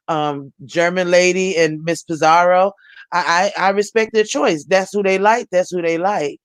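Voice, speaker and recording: A woman's voice: on the low side, no echo. Earnest American woman, close dry sound. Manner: earnest, conciliatory. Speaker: host of a live panel chat. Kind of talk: casual chat.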